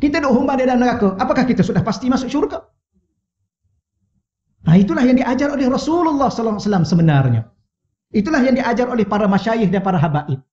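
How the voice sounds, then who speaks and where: A man's voice: very high voice, expressive, fast, long pauses, darkish tone, dull audio. A man with a Malaysian Malay accent giving a religious lecture in a mosque, humorous and acting out little dialogues. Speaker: religious teacher. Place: mosque hall. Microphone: wireless lavalier.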